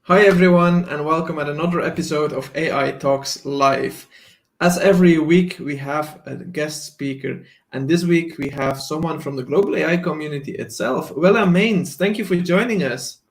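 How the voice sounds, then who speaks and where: Gravelly host. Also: male voice, fairly high pitch, normal speed. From Belgium. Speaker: live show host. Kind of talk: casual hosting.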